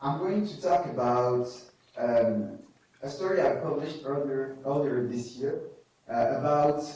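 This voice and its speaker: Strong room echo surrounds the recording. A man talks at a fairly slow pace. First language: French. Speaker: data journalist. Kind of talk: conference talk. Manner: hesitant, with filler words. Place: hall.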